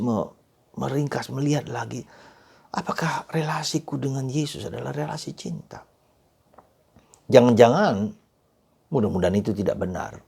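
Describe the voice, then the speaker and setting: A male priest delivers a sermon in an impassioned style, dropping to hushed, whispered phrases and rising to loud emphatic lines. His voice is very breathy and husky, and his pitch swings widely as he preaches. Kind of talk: sermon with opening prayer.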